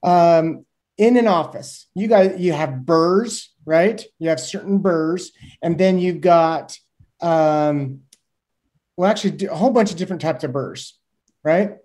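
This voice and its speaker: A man's voice: on the high side, a little slow. A man in his thirties, a guest expert explaining things animatedly to a host over a video call from a small room. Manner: animated, gestures with hands, uses homely examples. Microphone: webcam on a video call.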